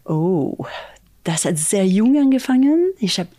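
A middle-aged French woman speaking German with a French accent, answering interview questions in a halting way and searching for words. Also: mid-range voice, very animated, dark tone, no room sound, clean studio sound. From France. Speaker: fragrance design manager. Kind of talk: casual interview chat.

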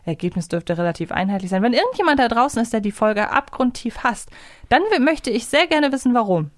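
A woman's voice: on the high side, expressive, fairly quick, no room sound, studio quality. A woman co-hosting a casual fan discussion, reflectively explaining her opinions step by step. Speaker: podcast co-host.

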